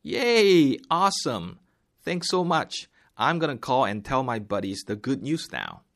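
A man reading the part of a cheerful young worker in a textbook dialogue, lifting his voice higher. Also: drawn-out words, gravelly, heavily acted. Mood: excited. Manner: bright, excited lines.

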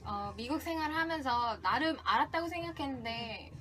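High-pitched Korean woman teaching English pronunciation. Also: expressive, a little fast, bright, forceful tone. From South Korea. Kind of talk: conversational podcast lesson.

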